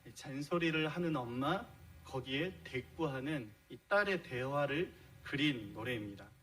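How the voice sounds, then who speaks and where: A middle-aged pastor preaches in a church sanctuary, his medium-pitched, slightly bright voice animated yet a little slow. He lays out his points earnestly and asks the congregation rhetorical questions, captured on a low-quality recording.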